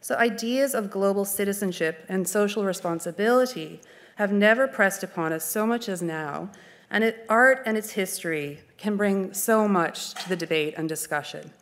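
On a darkened stage indoors, a woman from Canada, aged in her forties, gives a formal lecture about art history through a lectern mic. Her pitch is moderate and steady, and she sounds thoughtful, well-spoken and sincere, choosing each word with care.

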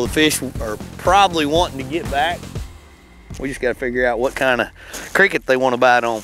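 A middle-aged man hosting a fishing show, giving casual, conversational commentary in a folksy way. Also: medium pitch.

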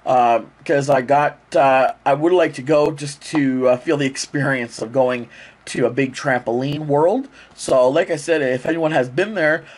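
A man with a mid-range voice and a cold-stuffed nose vlogs at a moderate pace, rambling chattily with lots of fillers. He holds an action camera at arm's length while moving from his bedroom out onto the streets and into a store.

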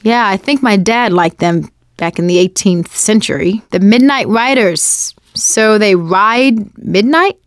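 An actress playing a sassy, wisecracking young woman surviving a zombie apocalypse in a video game, sardonic and expressive. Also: mid-range voice, unhurried, no echo, clean studio sound, lightly acted. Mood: focused, wry. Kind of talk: video game combat barks and quips.

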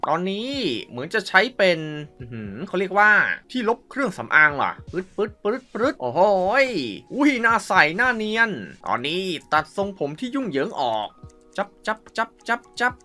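Animated, high-voiced man gaming. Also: moderate pace, soft background music. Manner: expressive, full of exclamations and mouthed sound effects. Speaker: mobile game YouTuber and host. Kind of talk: playful gameplay commentary.

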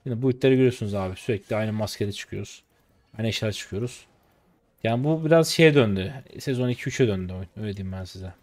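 The fast, fairly low voice here belongs to a late-twenties Turkish streamer talking casually over his own game. He uses lots of slang, gets worked up, and yells when the action turns.

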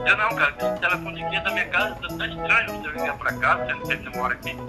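A man's voice: high-pitched, lively intonation, very fast, over music. Wary man heard over the phone. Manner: wary, short questioning replies. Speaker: prank call target.

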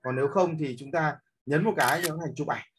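A man's voice: a little high, fairly quick, a bit bright, slight background noise. A man teaching an app step by step, with many fillers and frequent checks that his listeners are following. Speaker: instructor. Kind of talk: screen-recorded app tutorial.

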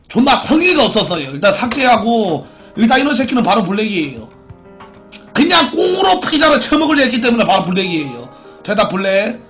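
Seated at a computer in a small indoor room, a twentysomething man runs a live stream, reading viewer posts aloud and handing down brash, crude, mocking verdicts like a theatrical announcer. His pitch is extremely high, with a slightly bright tone.

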